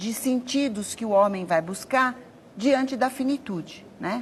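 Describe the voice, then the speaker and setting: A somewhat breathy woman with lively intonation. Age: 60s. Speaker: anthropologist and educator, book author. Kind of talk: TV interview. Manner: hesitant, with repetitions.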